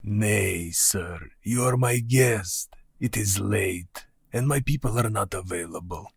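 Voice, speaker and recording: An actor playing an ancient, proud male vampire count in a radio play, speaking in a formal, old-fashioned way with a gravelly, husky voice. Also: fairly low pitch, dry recording, clean studio sound, full character voice. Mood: hospitable. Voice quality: gravelly, husky, slow and deliberate.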